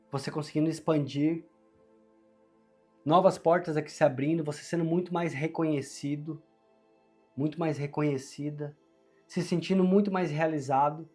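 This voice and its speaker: Male Brazilian tarot reader, fairly high voice strained by a sore throat, earnest and encouraging, music underneath. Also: steady tone, moderate pace, mellow. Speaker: tarot reader, channel host. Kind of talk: conversational tarot reading to viewers.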